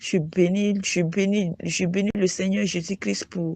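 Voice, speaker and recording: Very slow speech from a woman, her pitch varying in an ordinary way. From Africa. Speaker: viewer giving testimony. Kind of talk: testimony. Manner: halting.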